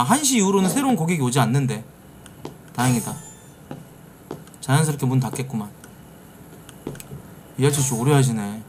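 A middle-aged man streaming a game live, reacting loudly and swearing at it. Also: medium pitch, background noise. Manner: excitable, bursts into shouts and swears at the game. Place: streaming room indoors.

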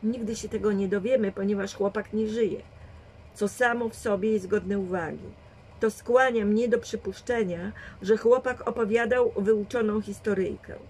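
A woman's voice: medium pitch, steady tone, a little mellow, a little hiss or hum, lightly acted, poor audio. A woman voicing a shrewd, dry and commanding old grandmother who reasons firmly in a read storybook. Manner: measured, firm reasoning.

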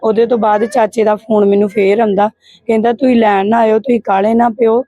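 A woman's voice: on the high side, flat delivery, quick pace, mellow, dry recording, dull audio. A Punjabi woman, the victim's aunt, answering a reporter and steadily recounting phone calls. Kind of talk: interview answers.

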